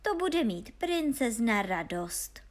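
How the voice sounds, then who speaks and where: A woman reading aloud and voicing a foolish, cheerful young peasant lad who boasts loudly. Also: on the high side, big pitch swings. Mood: boisterous. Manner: boastful, loud and carefree.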